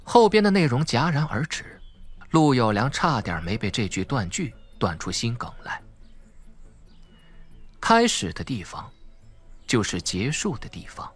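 A man's voice: mid-range voice, very animated, measured pace, long pauses, slightly rough, faint music behind. A man with a Mainland Chinese Mandarin accent narrating a suspense audiobook in a theatrical, dramatic way. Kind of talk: dramatic scripted narration of a crime thriller.

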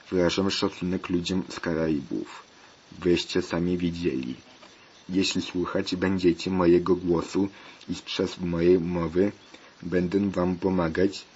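A man voicing a solemn lawyer who recites commandments slowly, on a dull lo-fi recording with faint hiss. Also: low voice, fairly even intonation, a little mellow. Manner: slow, preachy delivery.

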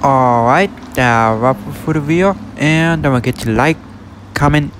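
Outside a closed shop on a city street, a retail exploration vlogger narrates a casual walkthrough with plain, simple remarks, filming on a handheld phone. His voice is a little high and fairly bright at a moderate pace, with faint street and car noise behind him.

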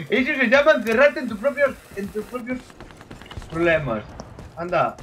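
A man with a Spain Spanish accent streaming live gameplay commentary, excitable, swearing and yelling at opponents. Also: high-pitched, normal speed, distant mic, slight background noise.

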